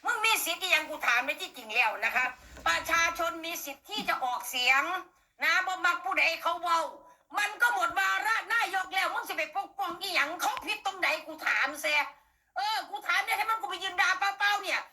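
A woman's voice: very high voice, expressive, brisk, pushed and bright. An older woman with an Isan accent, hosting a talk show and ranting bluntly and crudely about politics to her viewers, swearing often.

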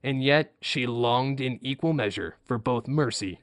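A man playing a storybook narrator, with a measured, theatrical delivery in a scripted radio comedy sketch. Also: medium pitch, no echo, lightly acted. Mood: storytelling. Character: storybook narrator who meddles in his own tale.

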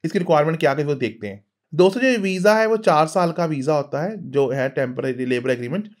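Man narrating a screen walkthrough, halting. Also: a little high, lively intonation. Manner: hesitant, many fillers, explains step by step. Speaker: vlogger, career advisor. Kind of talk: screen-recorded walkthrough voice-over.

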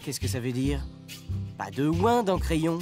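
A man voicing an excitable character who fusses over his childhood toy duck, talking theatrically in a scripted comic lesson. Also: measured pace. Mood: playful. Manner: theatrical, with big swings of pitch between lines. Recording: music playing behind the voice.

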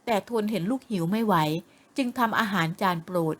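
A woman narrating an audio novel with lively, expressive storytelling. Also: medium pitch, a little fast, breathy edge.

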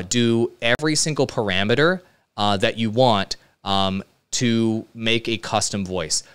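A man's voice: fairly low pitch, fairly bright tone, smooth. A man, giving casual, emphatic step-by-step instruction as a tutorial host, checking in with listeners. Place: indoor studio with computer.

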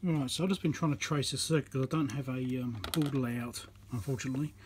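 Brief: man, mid-pitched, repair-bench commentator talking to himself, faint hum behind. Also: steady tone, a little fast. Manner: muttering, thinking aloud while working. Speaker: electronics repair presenter. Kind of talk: casual workbench commentary. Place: electronics workbench indoors.

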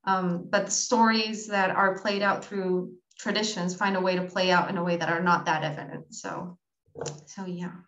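A woman's voice: fairly low pitch, flat delivery, moderate pace, fairly bright tone. Young woman on a roomy, muffled video call. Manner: thoughtful, hedging with fillers. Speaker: presenting researcher. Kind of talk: academic Q&A answer. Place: small plain room, indoors. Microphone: laptop mic on video call.

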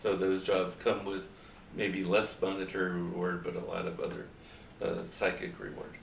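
Older guy on a career panel, very low voice, gravelly, echoey far-off room sound. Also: level tone, moderate pace, a little hiss or hum. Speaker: former Foreign Service officer, panelist. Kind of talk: panel talk. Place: university seminar room. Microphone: far camera.

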